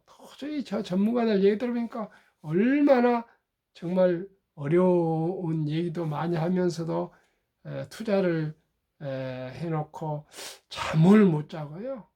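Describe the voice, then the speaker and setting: Slow, mellow-voiced man lecturing. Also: on the high side, gravelly. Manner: slow, deliberate delivery in short phrases with pauses. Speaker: channel host. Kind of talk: solo talk to camera, lecturing on health.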